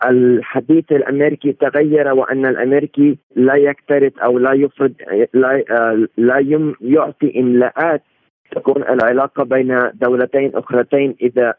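A male analyst giving interview commentary in formal Standard Arabic, explaining at length and sometimes correcting himself haltingly. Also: medium pitch, dry recording. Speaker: political and economic analyst, interview guest. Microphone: remote phone-like connection. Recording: tinny narrowband phone-like line.

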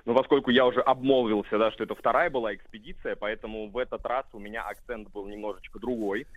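A man's voice: on the low side, steady tone, quick pace, no echo. A man speaking as a guest by phone, fluent and eager, with many filler sounds. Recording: phone line.

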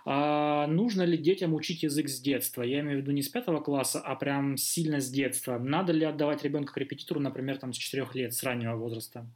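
Guy hosting a podcast, talks fast, keeps throwing questions. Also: mid-range voice, darkish tone. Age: adult, married. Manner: quick, chatty, questioning. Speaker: podcast host. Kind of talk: casual conversation, asking questions.

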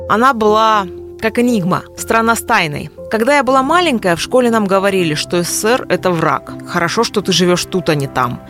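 A woman's voice: a little fast, soft background music. A middle-aged woman from California with an American accent, animatedly telling stories as an interview guest in a language that is not her first. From California, USA. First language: English. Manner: lively, animated storytelling with wide swings in pitch. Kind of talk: podcast interview.

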